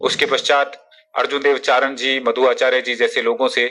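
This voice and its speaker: A man speaks with a Punjabi accent. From Rajasthan, India (Hanumangarh district). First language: Punjabi (speaking Hindi). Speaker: award-winning writer and senior civil servant. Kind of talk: speech.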